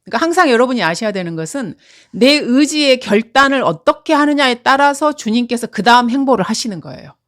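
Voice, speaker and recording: A middle-aged woman leads a Bible class, her voice rising and falling freely as she explains. She talks in an earnest, chatty way and fills pauses with small hums. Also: fairly high pitch, lively intonation, a bit bright. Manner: earnest, conversational, with many fillers. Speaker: Bible teacher. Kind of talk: Bible lesson.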